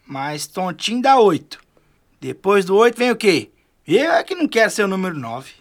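A man's voice: sits high, very animated, normal speed, soft background music. An actor playing a superstitious, fretful riverside man in a radio drama, speaking colloquially. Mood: fearful, insistent.

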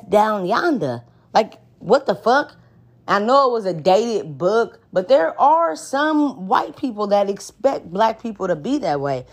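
Speaking in a mid-range voice, this woman hosts a podcast with an African American accent. Her monologue is candid and casual, blunt, heavy on slang and peppered with plenty of swearing.

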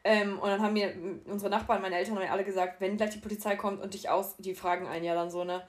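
A young woman co-hosting a podcast, animated and often laughing as she tells a story in casual chat. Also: medium pitch. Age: young adult. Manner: animated, laughing, quick bursts. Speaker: podcast co-host.

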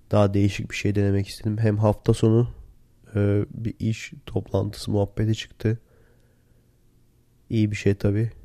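Man, hoarse sick voice, low, flat melody, casual podcast chat, weary. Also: no room sound. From Turkey. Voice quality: hoarse, worn-out voice. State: sick and tired, lost voice. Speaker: podcast host. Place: in bed at home. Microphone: handheld voice recorder, close.

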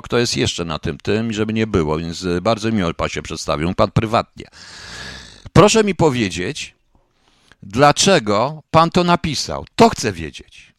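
A middle-aged online radio host with a lowish voice reads his live chat and answers comments in a casual broadcast, combative and occasionally swearing as he keeps hitting chatters with the same question. His pitch swings widely up and down, and the recording is close and dry with no room sound.

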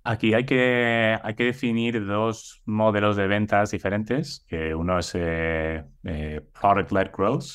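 A man with a Madrid accent, answering interview questions in a measured way with many hesitations. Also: fairly low pitch, steady tone, a bit bright, smooth. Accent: Madrid Spanish. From Madrid, Spain. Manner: measured, thoughtful, many hesitations and repeated words. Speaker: guest, head of sales.

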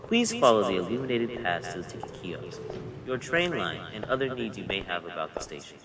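A man playing a train station announcer, making formal, measured announcements amid crowd noise. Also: sits low, big pitch swings.

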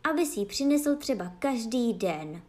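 A woman voicing a hasty, commanding royal courier in a storybook reading, calling loud and urgent. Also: on the high side, big pitch swings.

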